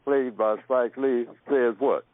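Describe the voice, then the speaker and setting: A man's voice: medium pitch, steady tone, slow, dry recording. A man giving emphatic talk radio commentary as a guest, repeating his points and asking rhetorical questions. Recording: dry phone-line audio.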